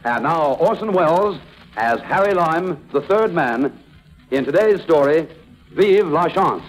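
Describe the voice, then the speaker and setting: High-voiced announcer over zither music. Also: male voice, lively intonation, measured pace, poor audio. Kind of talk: formal radio announcement.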